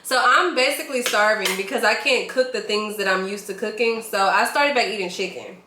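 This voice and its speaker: A woman's voice: medium pitch, a little fast. A woman, hosting a casual couple Q&A on her channel and laughing often. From Nashville, Tennessee, USA. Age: 20s. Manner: giggly, laughs often, eats while talking. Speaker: YouTube channel host. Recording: echoey room with faint noise.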